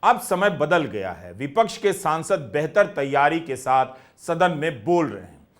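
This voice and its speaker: Lively higher-voiced male news commentator. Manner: measured, explanatory narration.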